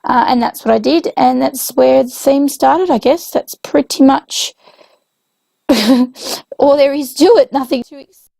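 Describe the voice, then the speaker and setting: A woman with a young child, hoarse from illness, casually narrating her scrapbook process with lots of ums and self-corrections. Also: sits high, steady tone, a little slow, pauses often, warm tone, no echo. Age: adult with a young child. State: hoarse, voice coming and going from illness. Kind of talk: casual voice-over narration of a craft video.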